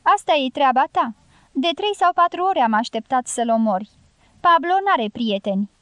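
A woman's voice: expressive, a bit bright, smooth, no echo. A woman doing a pushy tipsy gypsy man. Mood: urging. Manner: urgent low prodding, half-whispered. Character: wine-flushed male gypsy guerrilla, sly and insistent.

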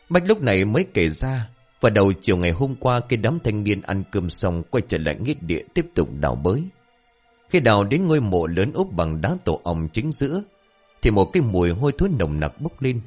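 A man telling a horror story with a low voice and a lively, dramatic delivery. Faint music plays beneath his narration. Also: brisk. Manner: dramatic, expressive.

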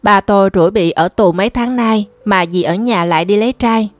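A woman's voice: mid-range voice, fairly quick, soft background music, lightly acted. A woman voicing an angry, stubborn young boy who answers back defiantly. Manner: defiant, reproachful retorts.

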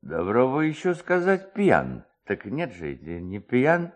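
A man's voice: medium pitch, huge pitch swings, slow. A man voicing a coarse, stubborn drunken peasant who mutters and repeats himself, in a storybook reading. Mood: defiant, drunken grumbling.

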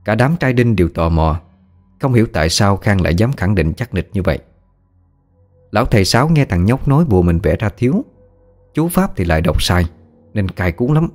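A man narrating a story in a measured, steady storytelling manner. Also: on the low side, soft background music.

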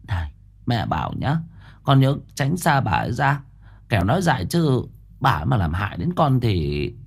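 A man's voice: medium pitch, big pitch swings, moderate pace, vocal fry, husky, full character voice. Man doing a fussing worried older mother. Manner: fussing, cautioning.

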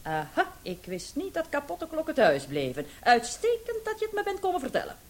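Lively, bossy police commissioner. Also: female voice, sits high, brisk. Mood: brisk. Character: brisk female police commissioner, easily distracted, bossy. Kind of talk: comic radio play acting.

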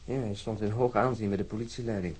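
Radio drama: earnest, disillusioned male cop, lowish husky voice, deliberate and wryly lecturing delivery. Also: fairly even intonation, a little mellow. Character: disillusioned, earnest male Stockholm police officer, talking at length. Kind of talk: naturalistic radio drama acting.

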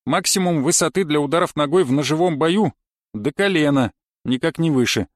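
A man's voice: on the high side, expressive, brisk, dry recording, studio quality, lightly acted. A man voicing a pedantic male knife-fighting coach who lectures dryly and thoroughly in an audiobook. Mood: lecturing. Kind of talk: audiobook character reading.

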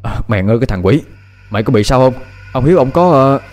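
A man voicing a frightened young village drifter who protests loudly. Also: medium pitch, lively intonation, soft background music, pitched above the performer's own voice, natural voice. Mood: frantic. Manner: fast, loud, defensive protesting.

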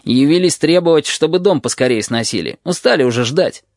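A man's voice: on the high side, lively intonation, fairly quick, no room sound, studio quality. A man reading an audiobook and voicing a gloomy, nervous teenage boy who grumbles defensively. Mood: musing.

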